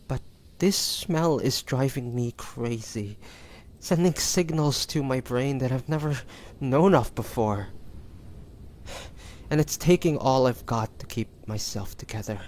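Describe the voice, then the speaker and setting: A man playing a tormented, bloodthirsty demon fighting his hunger in a dramatic audio roleplay, speaking haltingly with breathy sighs and drawn-out pleading. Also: mid-range voice, darkish tone. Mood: pained, pleading.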